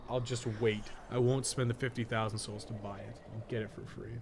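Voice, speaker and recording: Hosting a game guide livestream, a man rambles and mutters his thoughts aloud as he plays, giving casual commentary. His voice is on the low side, level in tone, and brisk, with background noise in the recording.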